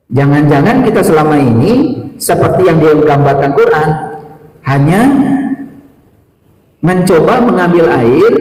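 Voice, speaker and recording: Casting: middle-aged male spiritual teacher, slightly high voice, measured and instructive, lecturing in a very reverberant hall. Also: a little mellow. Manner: didactic, deliberate, with rhetorical questions and repetition. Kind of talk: sermon lecture to a live audience. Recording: echoey hall with long reverb.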